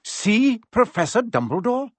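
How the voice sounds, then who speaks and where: A stern older woman professor who cuts people off with cold, clipped replies, as a man puts her on. The voice is raised well above the reader's own pitch and swings widely on her rebukes. It is dry and close to the microphone. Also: sing-song, measured pace, dry recording, heavily acted. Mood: suspicious.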